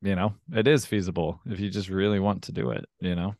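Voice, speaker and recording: Low-voiced man, casual podcast host. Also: steady tone, brisk, gravelly, darkish tone, dry recording, studio quality. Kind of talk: casual chat.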